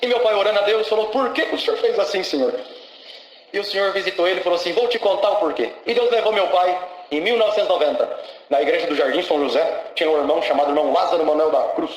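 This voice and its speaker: A man's voice: sits high, racing. A young man in his twenties giving an emotional church testimony, fervently breaking in with praise to God between sentences. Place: church service hall. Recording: echoey church hall recording.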